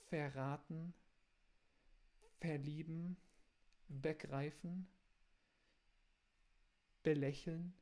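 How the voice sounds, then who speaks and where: A man with a German accent teaches his native language's pronunciation, breaking each point down and sounding out examples slowly. His voice is gravelly and sits a little high, and he keeps an even, level tone throughout. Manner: explains step by step, repeats example sounds slowly. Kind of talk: language lesson video.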